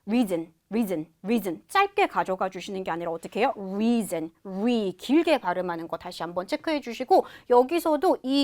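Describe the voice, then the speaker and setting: A woman teaching a recorded online speaking class. She explains word stress and vowel length patiently, and she slows down sharply when she models sentences. Her voice sits at an ordinary middle pitch. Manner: models English sentences slowly and deliberately. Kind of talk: online lecture.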